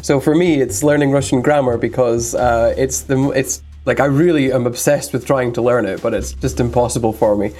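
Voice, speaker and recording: A man's voice: mid-range voice, fairly even intonation, moderate pace, hardly any pauses, darkish tone, soft background music. British man explaining English phrases. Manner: easygoing, explains phrases patiently, self-deprecating. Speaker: podcast co-host, English speaking coach. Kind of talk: relaxed explanatory podcast chat.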